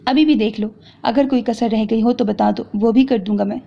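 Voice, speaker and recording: A woman's voice: a little high, fairly even intonation, gravelly. A woman reading the lines of an angry young man who harshly accuses and lectures his wife, in a romance audio novel. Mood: angry, accusing. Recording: dull lo-fi recording.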